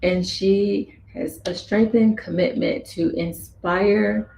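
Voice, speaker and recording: A woman interpreter voicing a host's signed words, slow and measured, phrase by phrase. Her voice has a gravelly fry to it. It sits in an echoey room with faint ambient hum. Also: mid-range voice, fairly even intonation, darkish tone.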